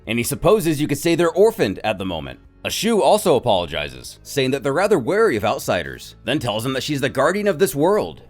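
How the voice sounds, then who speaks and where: A man telling an animated adventure story in scripted, dramatic narration. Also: a little high.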